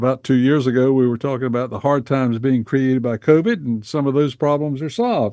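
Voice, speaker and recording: A man with a Southern US accent talks at a very fast pace in a dark, mellow tone. His intonation is fairly even, over a quiet background. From North Carolina. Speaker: radio host. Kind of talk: radio interview.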